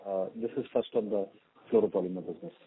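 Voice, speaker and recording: A man with an Indian accent asking questions as an analyst on an earnings call, speaking in a halting, hesitant way over a telephone line. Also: lowish voice, creaky, slight background noise. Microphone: telephone conference line. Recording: thin narrow phone line.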